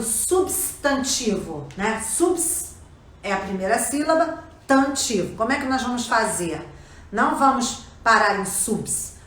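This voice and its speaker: Brazilian woman language teacher, slow and patient, often checks in with listeners, recorded in a roomy echoey space. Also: a little high, a bit bright. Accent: Brazilian Portuguese. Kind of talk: explanatory lesson. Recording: echoey room.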